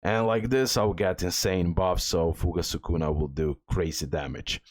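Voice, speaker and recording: A man's voice: low voice, fairly even intonation, normal speed, dry recording. A man giving casual gameplay commentary as the host of a game guide, repeating himself and checking in with the listener.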